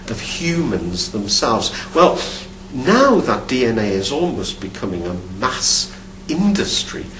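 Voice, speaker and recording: This archaeology professor, a Geordie-accented man in his fifties from Newcastle upon Tyne, England, thoughtfully answers questions to camera, restarting and repeating words often. His voice is medium in pitch and fairly bright. Recorded against a dark studio backdrop, the audio is roomy from a distant mic, with a faint hum.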